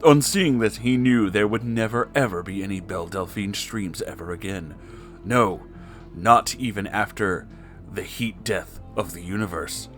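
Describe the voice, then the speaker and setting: A man with a low but bright, forceful voice reads a comic story aloud. He narrates theatrically and emphatically, dropping into casual asides, with music behind him. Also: measured pace. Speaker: host and story reader.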